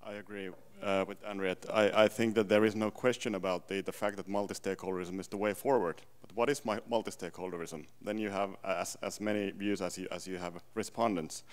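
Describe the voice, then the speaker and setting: Very deep-voiced man repeating words. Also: steady tone, a little fast, few pauses. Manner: repeats words, restarts often. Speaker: panelist. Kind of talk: panel discussion. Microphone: handheld microphone.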